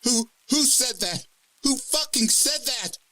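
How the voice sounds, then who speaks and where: A man's voice: fairly low pitch, very animated, measured pace, pitched above the performer's own voice. A man voicing a shaken, incredulous young man, by turns panicked and sarcastic. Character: frightened, angry young man at his lowest.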